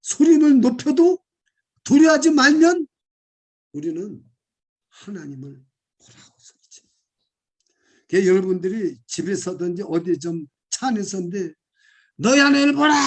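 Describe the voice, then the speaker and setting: A male pastor with a very high voice delivers a sermon. He urges the congregation to shout along with him and often rises to loud, fervent exclamations. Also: slightly rough.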